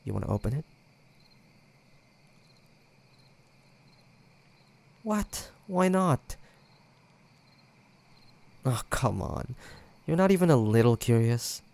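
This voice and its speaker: Casting: male actor as teasing young ex in intimate audio roleplay; swooping intonation, unhurried delivery, casual banter. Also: mid-range voice, big pitch swings, vocal fry, darkish tone. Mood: playful teasing. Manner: teasing, hesitant, casual banter with trailing pauses. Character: playful teasing young man, nostalgic ex-boyfriend in treehouse.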